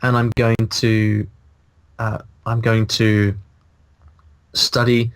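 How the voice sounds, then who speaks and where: A man in his thirties, a guest on a video call, talking in a casual, animated way and restarting his sentences as he thinks aloud. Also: fairly low pitch, very slow, clean tone, no echo. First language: English. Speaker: guest, language blogger. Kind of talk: casual interview. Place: small room indoors. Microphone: video call, earphones, mic in front.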